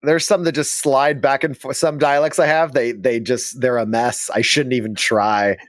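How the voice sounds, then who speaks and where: A man co-hosting a casual chat show, chatty and quick to joke. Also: medium pitch, steady tone, no echo. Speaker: podcast co-host.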